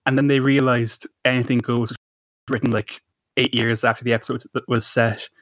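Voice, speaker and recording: A man with a middle-range voice supplies facts and trivia in relaxed podcast chat. He leans on fillers as he talks. The recording is dry and close to the mic. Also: mid-range voice, fairly quick, no room sound. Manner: informative, offers trivia with fillers. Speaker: podcast co-host. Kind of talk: casual chat.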